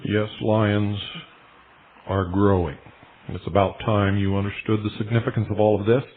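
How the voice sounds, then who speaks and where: A man's voice: on the low side, flat delivery, moderate pace, a little hiss or hum. Man hosting over tinny shortwave radio. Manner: earnest, insistent retelling. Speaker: radio host. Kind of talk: radio talk monologue.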